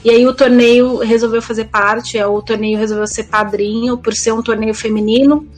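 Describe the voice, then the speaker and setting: A woman's voice: on the high side, level tone, normal speed, rough recording. A woman with a Brazilian accent giving casual sports commentary on a podcast.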